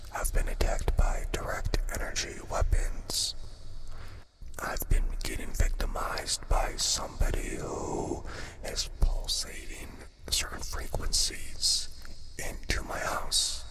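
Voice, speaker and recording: Whispering at a very slow pace, a man is heard over noticeable background noise. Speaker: ASMR creator. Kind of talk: ASMR yapping monologue. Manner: soft-spoken, whispering.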